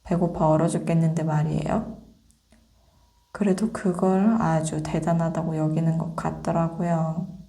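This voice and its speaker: Fairy-tale field mouse played by a woman: ingratiating, chatty, soft ASMR delivery, lowish and fairly even. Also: measured pace. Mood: flattering, dismissive. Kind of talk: soft ASMR storybook reading.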